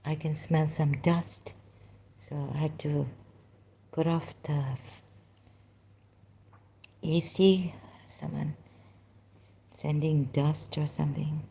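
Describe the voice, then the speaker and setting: A woman whose first language is Khoja Sindhi records a personal monologue for her vlog while resting at home. Her voice is low, husky and steady with vocal fry, and she speaks slowly and softly, halting and drifting between thoughts.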